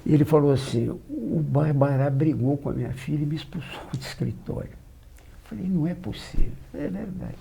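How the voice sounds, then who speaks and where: A man's voice: a little high, moderate pace, vocal fry, a little hiss or hum. An older man, a journalist from Minas Gerais with its regional accent, telling stories as an interview guest and acting out the dialogue he quotes. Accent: Minas Gerais Brazilian Portuguese. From São João del Rei, Minas Gerais, Brazil. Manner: lively raconteur, acts out quoted dialogue. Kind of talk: anecdotal storytelling.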